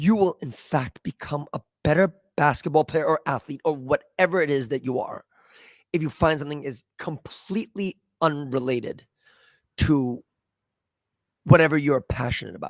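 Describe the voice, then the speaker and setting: Long, frequent pauses in a very clean recording with a silent background. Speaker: basketball coach. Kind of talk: motivational talk to camera. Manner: slow.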